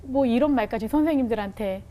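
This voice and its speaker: A woman's voice: a little high, fast talker, a crowd in the background. A woman in her forties, a children's home director, telling her story as a guest on a Christian talk show and acting out the children's words. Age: 40s.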